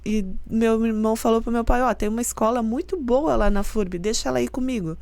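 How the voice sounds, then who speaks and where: A woman's voice: a little high, brisk, gravelly, no echo. A middle-aged woman, a university rector answering interview questions earnestly and explaining at length. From Santa Catarina, Brazil. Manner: earnest and explanatory, with soft laughs. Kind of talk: casual interview talk.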